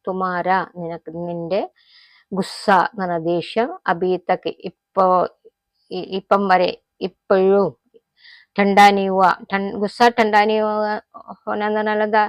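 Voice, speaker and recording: A woman with a Malayali accent, a native Malayalam speaker, teaching everyday Hindi phrases in a casual lesson, explaining them slowly and repeating each example. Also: medium pitch, little pitch movement, no echo. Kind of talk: casual spoken-language lesson.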